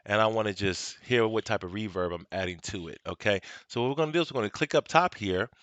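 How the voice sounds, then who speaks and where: A man with a lowish voice walks viewers through a software tutorial, relaxed and instructive, dropping in "um" and "okay" as he goes. The sound is close and dry, recorded at his home desk with no room around it. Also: fast, dry recording, dull audio. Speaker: video tutorial host. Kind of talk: casual software tutorial walkthrough. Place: home desk at a desktop computer.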